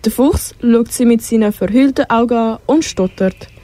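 A woman's voice: on the high side, moderate pace, mellow. A teenage girl narrating a school radio play, reading the story steadily. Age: teens.

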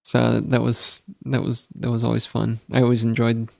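A man's voice: medium pitch, monotone, moderate pace, gravelly, dry recording, studio quality. A man co-hosting a podcast, chatting casually and rambling, often laughing. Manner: rambling, laughs often, breaks into a loud wedding DJ voice. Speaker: podcast co-host. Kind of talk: casual chat.

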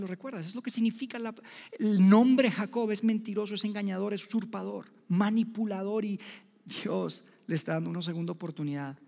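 A male preacher with a high, gravelly voice delivers a sermon to his listeners as friends. He swings from loud emphatic bursts to hushed, near-whispered lines. The sound carries a long reverb from a large hall. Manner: addresses listeners directly as friends.

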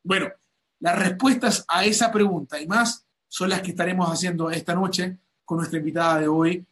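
A man hosting an interview with a high, bright voice. He talks with lively enthusiasm and stumbles into frequent fillers and restarts as he introduces his guest. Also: normal speed. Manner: animated, many fillers and restarts. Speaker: host.

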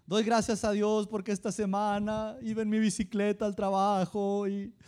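A man voicing an old man over seventy who gives a slow, earnest church testimony. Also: high voice, little pitch movement, a little mellow, smooth, natural voice.

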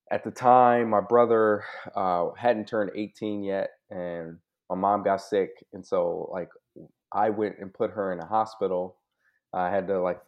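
This is an American man with a very deep voice, heard through somewhat muffled, low-fidelity audio. He talks like an interview guest sharing his own story, casually and candidly. His phrasing is informal, often checking in with the listener as he goes. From United States (born in Hawaii, grew up in California). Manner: informal, open, frequent "right?" and "like" asides. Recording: dull, lo-fi audio.

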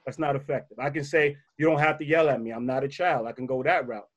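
A man with a slightly bassy voice who co-hosts a casual advice talk and drives his points home by repeating them. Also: fairly even intonation, quick pace, highs cut off. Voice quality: a little bassy voice. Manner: emphatic, repeats key points.

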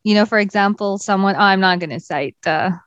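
A woman's voice: medium pitch, a little fast, a bit bright, no room sound, muffled recording. A woman co-host from Pakistan talking in a casual panel discussion, hesitant with fillers and restarts. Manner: hesitant, many fillers and restarts, laughs often. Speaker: podcast co-host.

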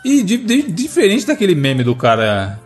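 A man's voice: high voice, wildly swooping pitch, normal speed, soft background music. A man hosting a casual podcast chat, joking and telling a story. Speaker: podcast host.

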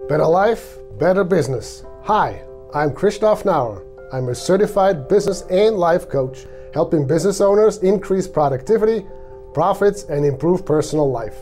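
A man with a Swiss accent reads his own coaching ad with a measured, promotional delivery. His voice sits a little high for a man. A loud guitar music bed plays under him. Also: animated. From Switzerland. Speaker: business and life coach. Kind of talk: scripted radio advert.

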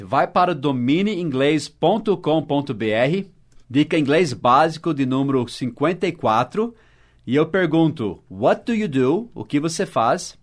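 A man with a Brazilian Portuguese accent hosts a mini-podcast English lesson. He talks in a patient, explanatory way and spells out words slowly, letter by letter. His voice sits at an everyday middle pitch. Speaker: English teacher.

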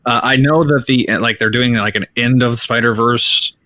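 A man co-hosting a casual comics podcast, slightly croaky from a sore throat, rambling with many restarts. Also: mid-range voice, steady tone, normal speed, bright, forceful tone, no room sound. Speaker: podcast co-host. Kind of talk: casual live-streamed comics podcast chat.

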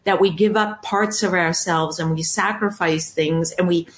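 A woman's voice: on the low side, fairly even intonation, moderate pace. An American woman in her fifties hosting an interview, talking in a chatty, personal way and laughing often. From United States. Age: 50s. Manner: warm chatty, laughs often, talks about herself. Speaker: podcast host. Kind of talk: casual interview chat.

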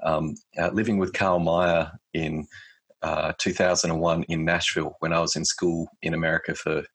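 A man in his forties, speaking as a podcast guest in a reflective, halting way with many fillers and restarts. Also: low-pitched, flat delivery, fairly bright tone, slightly rough. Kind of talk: casual conversation.

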